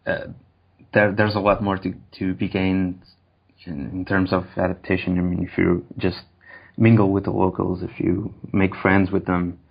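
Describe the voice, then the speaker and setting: A man's voice: deep voice, level tone, normal speed, creaky, husky, muffled recording. A man in casual conversation as a guest, speaking hesitantly and searching for his words. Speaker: interview guest.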